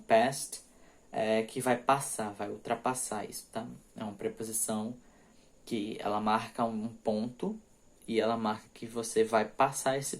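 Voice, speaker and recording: A man teaching English prepositions, reading example sentences slowly and explaining them quickly, often checking in with "ok?". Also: lowish voice. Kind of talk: bilingual grammar lesson.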